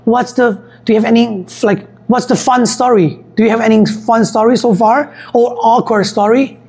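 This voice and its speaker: A man's voice: extremely high pitch, steady tone, normal speed, a little mellow, breathy edge. A man with a Chinese accent and Chinese as his native language, hosting a casual, chatty interview. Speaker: interviewer, host.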